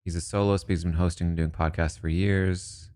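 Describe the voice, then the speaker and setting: A man's voice: low-pitched, level tone, brisk, darkish tone. A man casually commenting and thinking aloud as he reacts to news about a reality show cast. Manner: musing, thinks aloud, asides.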